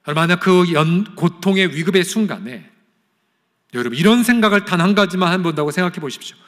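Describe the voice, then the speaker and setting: A male pastor preaching an impassioned sermon, swinging from loud pleading to soft near-whispers. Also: high voice, animated, brisk. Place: church sanctuary. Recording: church hall reverb.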